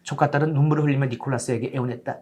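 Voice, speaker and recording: A man telling a children's storybook tale as an animated narrator. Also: mid-range voice, rapid-fire, husky.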